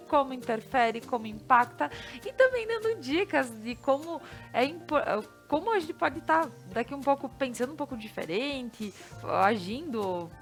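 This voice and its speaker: Brazilian woman TV host, effusive chatty delivery, slightly high voice, faint music behind. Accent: Brazilian Portuguese. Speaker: TV morning show host. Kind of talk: chatty talk-show hosting.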